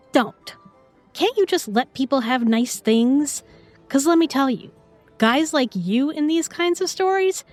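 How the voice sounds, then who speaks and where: An actress playing a feisty, sarcastic modern young woman in a fantasy audio drama, sassy and confrontational in casual slang. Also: fairly high pitch.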